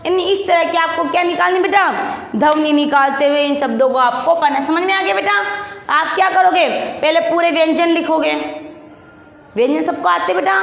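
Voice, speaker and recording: A woman's voice: high voice, a bit bright, roomy sound, in a large hall. A woman teacher with a Rajasthani Hindi accent, patiently drilling syllables for young children and asking them to repeat. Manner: patient, repeats sounds and asks children to answer back. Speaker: primary school Hindi teacher. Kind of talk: classroom lesson, slow syllable drilling.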